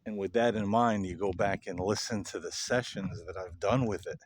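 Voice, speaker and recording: A man hosting a paranormal video, talking casually and earnestly to viewers in halting phrases. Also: on the low side, a little hiss or hum. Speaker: paranormal investigator, video host. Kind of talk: casual explanatory monologue to viewers.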